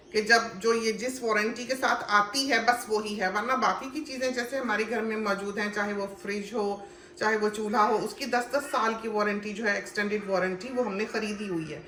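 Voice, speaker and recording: A woman's voice: a little high, sharp tone, a little hiss or hum. A woman hosting a home cooking channel, chatting casually as she explains and demonstrates a kitchen appliance with lots of fillers. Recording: echoey room with faint ambience.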